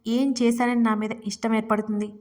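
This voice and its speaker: An angry, stubborn young husband who scolds in short, impatient bursts, read by a woman narrator. The audio story keeps him close to her own higher voice. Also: level tone, fairly quick, darkish tone, in a large hall, lightly acted.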